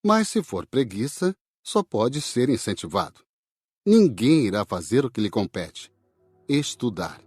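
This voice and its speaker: A Brazilian man voicing a patient spirit worker who explains in a measured, didactic way, with a slightly husky voice, in an audiobook. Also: medium pitch, very animated, dry recording, clean studio sound, faint music behind. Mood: firm. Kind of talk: audiobook dialogue reading.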